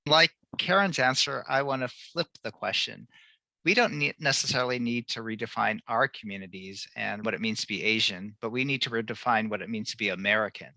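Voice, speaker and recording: A man's voice: on the low side, fairly quick, vocal fry, bright, forceful tone, no room sound, rough recording. A man speaking as a panel guest, earnest and emphatic as he builds his argument. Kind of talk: panel discussion.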